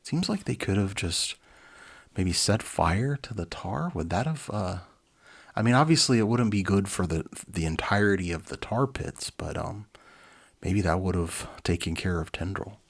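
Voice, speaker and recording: A man's voice: low-pitched, animated, moderate pace, vocal fry, husky. A man presenting and reading a children's storybook, with an easygoing, informal manner. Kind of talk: dramatic reading with casual asides.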